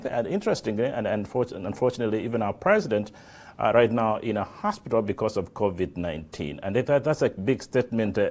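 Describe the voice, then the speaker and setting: A man's voice: on the low side, a little mellow. A middle-aged man from Africa hosting a live interview show, speaking effusively and often repeating and restarting his phrases. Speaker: talk show host.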